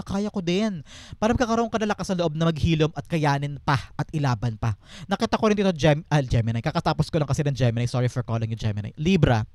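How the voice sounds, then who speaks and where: A man's voice: fairly high pitch, darkish tone, no room sound. Earnest Filipino man giving a tarot reading. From Philippines. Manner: earnest, emphatic, repeats words for stress. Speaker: tarot reader.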